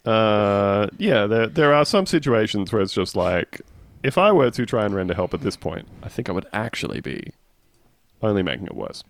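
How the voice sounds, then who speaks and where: A man's voice: on the low side, animated, moderate pace. A man, rambling through anecdotes in casual chat as a podcast co-host, with dry humor.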